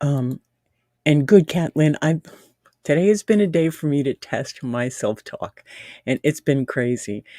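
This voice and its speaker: A woman's very deep, low voice has lively intonation and long, frequent pauses. The sound is dry and close with no echo, and music plays in the background. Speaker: psychic medium and livestream host. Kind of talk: casual livestream chat reading comments. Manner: animated.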